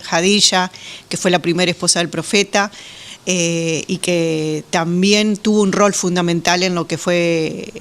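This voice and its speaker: Rioplatense woman, radio interview guest, calm explainer, pauses and fillers often. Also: on the low side. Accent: Rioplatense Spanish. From Uruguay, raised in Argentina. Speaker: guest, Muslim women's association representative.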